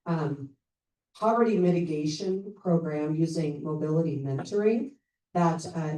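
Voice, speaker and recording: Low-voiced woman presenting at a meeting. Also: mellow. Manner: upbeat, informal, many fillers. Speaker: charity program representative. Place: public meeting room. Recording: roomy distant meeting-room mic.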